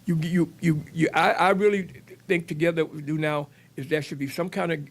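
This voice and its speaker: Man with a high, voice, speaking at a community forum and pressing his points. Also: fairly even intonation, brisk. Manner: repetitive, emphatic, many restarts. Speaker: panel speaker.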